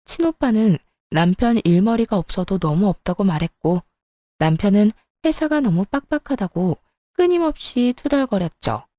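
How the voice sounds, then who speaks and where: A woman's voice: medium pitch, lively intonation, normal speed, mellow, dry recording, studio quality. A woman narrating a first-person story as a young wife, with a plaintive, exasperated way of telling it.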